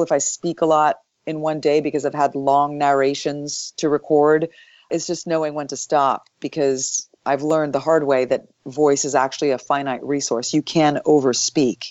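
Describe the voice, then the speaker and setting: Low-voiced woman with a deep morning voice. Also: steady tone, moderate pace, no echo, dull audio. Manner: thoughtful, explanatory, with soft laughs. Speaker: voice actor guest. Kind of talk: interview answers.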